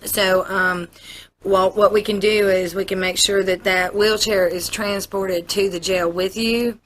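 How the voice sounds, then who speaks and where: A woman's voice: medium pitch, steady tone, unhurried, fairly bright tone. An American woman, a police officer, explaining procedure to a suspect in a matter-of-fact interview manner. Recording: noisy interview room audio.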